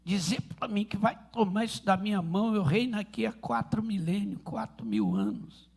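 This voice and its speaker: Deep, scornful ancient demon prince, played by a preacher with a Rio accent, boasting low and menacing. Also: male voice, animated, normal speed, a little mellow, husky, heavily acted. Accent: Rio de Janeiro Portuguese.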